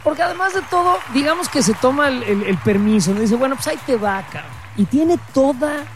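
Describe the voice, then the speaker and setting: A man's voice: extremely high pitch, animated, a little fast. A Mexican man co-hosting a talk show, giving blunt, profane opinions. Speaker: co-host. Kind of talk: casual opinion commentary.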